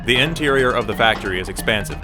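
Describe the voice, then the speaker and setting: A man's voice: medium pitch, lively intonation, fast talker. Male scene-setting narrator over music. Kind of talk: scripted scene-setting narration for audio drama.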